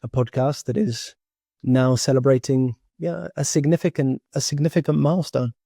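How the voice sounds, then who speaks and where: Mellow-voiced man asking halting questions. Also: mid-range voice, fairly even intonation, gravelly, no room sound, studio quality. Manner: halting, restarting phrases. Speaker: interviewer.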